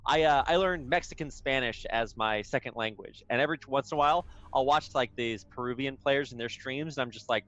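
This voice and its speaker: A man's voice: medium pitch, brisk, few pauses, fairly bright tone, highs cut off. A young man casting an esports match, chatty and rambling, with lots of fillers. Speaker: esports caster. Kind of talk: play-by-play commentary.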